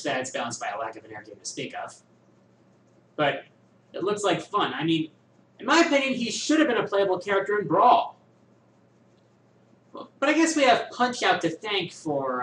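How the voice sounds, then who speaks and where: A man hosts a casual question-and-answer show, thinking aloud and pausing often as he talks. His pitch swings widely and sits a little high for a man. He is recorded a bit off the mic in an echoey room with faint ambience. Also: very animated, a bit bright, far from the mic. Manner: musing, thinks aloud with many pauses. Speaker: host answering viewer questions. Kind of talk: casual chat.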